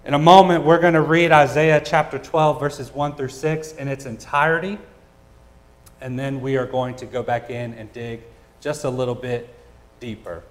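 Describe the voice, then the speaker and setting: A man's voice: mid-range voice, steady tone, normal speed. A man preaching a sermon, telling a personal story in a casual, joking way with frequent "uh" fillers, at a church service. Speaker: pastor.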